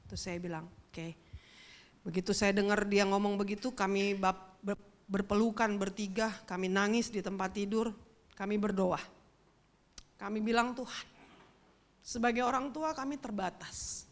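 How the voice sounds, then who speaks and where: A woman's voice: medium pitch, little pitch movement, normal speed. A middle-aged woman pastor, giving a sermon as a chatty personal story and speaking straight to the congregation. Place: church.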